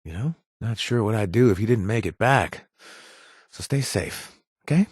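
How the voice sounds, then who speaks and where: A man's voice: fairly low pitch, lively intonation, normal speed, a little mellow, slightly rough, no room sound. An actor playing a playful, flirtatious male companion in a video game, recorded dry in a studio. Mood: teasing.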